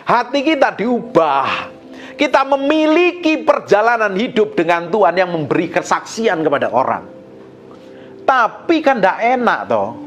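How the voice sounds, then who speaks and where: Animated, high-voiced joking pastor. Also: male voice. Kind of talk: sermon.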